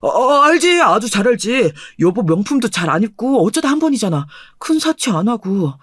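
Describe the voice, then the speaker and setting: A humble, sweet-natured young husband , acted out by a performer, speaks eagerly and earnestly in a storybook radio drama. The voice sits at a middle pitch and is recorded close and dry. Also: sing-song, normal speed, fairly bright tone, husky, no echo.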